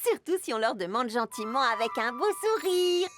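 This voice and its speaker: A woman voicing a cheerful, determined young girl heroine in a cartoon dub, talking in a bright, persuasive way. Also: fairly high pitch, big pitch swings, normal speed.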